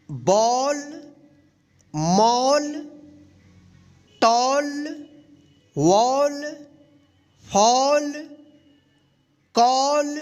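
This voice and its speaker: A woman teaching a phonics lesson, spelling each word letter by letter and then saying it whole, and asking the viewer questions as she goes. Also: on the high side. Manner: asks the viewer questions and repeats the rule. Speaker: English teacher.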